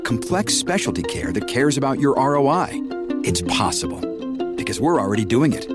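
A man delivers a scripted commercial voice-over with very varied intonation. Loud plucked guitar music plays behind him. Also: mid-range voice, sing-song, normal speed. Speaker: advertisement announcer.

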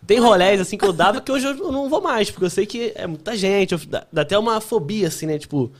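Young Carioca man, high lively voice. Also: fast. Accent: Carioca Portuguese. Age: young adult. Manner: chatty, laughs often, many filler words. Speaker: guest, content creator. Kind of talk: casual podcast chat.

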